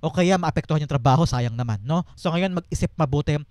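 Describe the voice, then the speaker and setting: A man's voice: on the high side, fast, a little mellow, no echo. A man with a Filipino accent giving an earnest, emphatic tarot reading to camera, repeating words for stress. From Philippines. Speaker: tarot reader.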